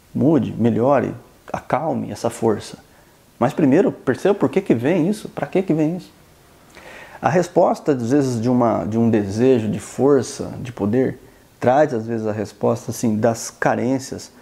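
A man's voice: medium pitch, gravelly, dark tone. A Brazilian Portuguese-speaking man hosting his own channel, giving an earnest self-help talk aimed straight at the listener. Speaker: channel host.

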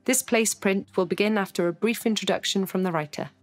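A woman announcing an audio series in a measured, formal, scripted introduction. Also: mid-range voice, soft background music.

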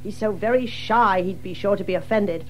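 An actor playing an anxious, evasive Water Rat in a dramatised children's story, hesitant and hedging. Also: male voice, sits high, normal speed, soft background music, lightly acted, low-quality recording. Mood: flustered, dismissive.

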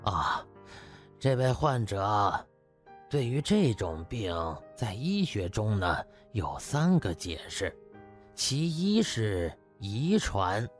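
A man voicing a proud, patient older physician who explains things slowly and deliberately in an audio drama. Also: on the low side, big pitch swings, faint music behind. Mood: slow, explanatory. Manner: slow, deliberate explaining with pauses.

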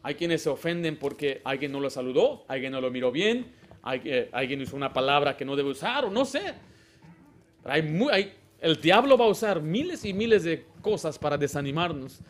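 A man preaching a sermon as pastor, animated, with sudden loud exclamations and quiet asides, and acting out other people in quoted lines. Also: on the high side, normal speed. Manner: acts out children and church members in quoted lines.

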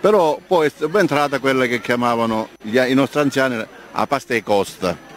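A man of middling pitch talks. He explains local customs in a casual way, putting questions to the listener and answering them himself. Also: fairly quick, a little hiss or hum. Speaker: local guide explaining tradition.

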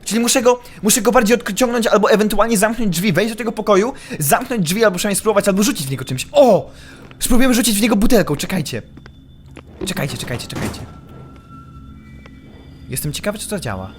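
A young man commenting on a horror game he is playing, excitable, yelping when startled and muttering while he sneaks. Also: high-pitched, fast, soft background music. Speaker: gaming YouTuber.

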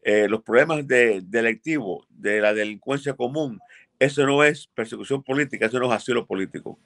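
A man's voice: medium pitch, brisk, fairly bright tone, no room sound, studio quality. An older man, an immigration lawyer, answering viewers' questions emphatically and bluntly over a video call from a home office. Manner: emphatic, blunt, repeats for stress. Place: home office with framed pictures.

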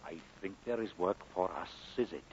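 An actor playing a gruff, courteous Welsh prizefighter in a vintage film drama, with a husky voice. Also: male voice, sits low, expressive, moderate pace. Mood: grim. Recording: dull vintage film soundtrack.

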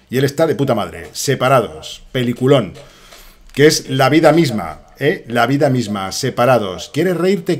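A young man from Spain with a Spanish accent, giving rambling, excitable commentary while playing a soccer game and swearing often. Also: medium pitch. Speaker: gaming streamer.

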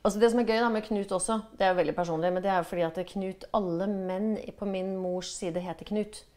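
A middle-aged woman hosts a relaxed, conversational interview at a medium pitch. She asks follow-up questions and tells her stories with lively, animated storytelling. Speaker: podcast host.

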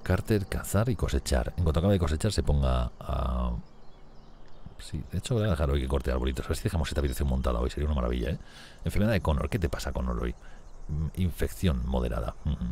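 A man's voice: rumbling low, dark tone, slight background noise. A man, casually commentating his game and talking to his characters as he plays. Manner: chatty, talks to his characters. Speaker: gameplay youtuber.

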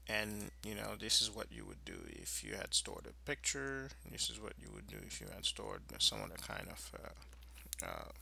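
A man presenting an informal screencast tutorial, explaining in a halting, improvised way. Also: lowish voice, wildly swooping pitch, vocal fry, pushed and bright.

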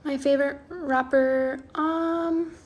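A woman in her twenties chatting casually on a livestream from her bedroom, soft and drowsy, often trailing off. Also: high voice, steady tone, slow, slight background noise. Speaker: livestream host. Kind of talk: casual chat answering viewer comments. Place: small bedroom indoors. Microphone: phone held close, front camera.

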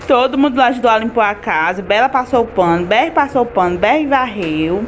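A woman's voice: on the high side, big pitch swings, normal speed. A woman, chatting casually on a phone camera while unpacking groceries in her home kitchen. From Fortaleza, Brazil. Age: 20s. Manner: chatty, listing items as she unpacks. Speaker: family vlogger. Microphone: handheld phone camera. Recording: noisy home with washing machine.

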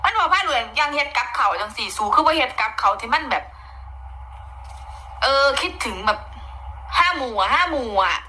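A woman's voice: sits high, animated, moderate pace, long pauses, pushed and bright, slight background noise, poor audio. A woman with a Northeastern Thai Isan accent giving chatty, opinionated gossip commentary, often exclaiming. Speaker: online commentator.

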